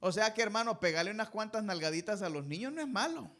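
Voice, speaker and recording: A man preaching a sermon with a high, bright voice. He talks emphatically to his congregation, calls them brothers and has them call out the missing words. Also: expressive, quick pace. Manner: emphatic, addresses listeners as brothers. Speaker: pastor.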